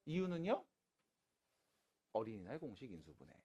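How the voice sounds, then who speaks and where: A man teaching math to high school students in a classroom, casual and teasing, switching between polite and plain speech. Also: big pitch swings, normal speed, dark tone, husky, highs cut off. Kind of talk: classroom lecture.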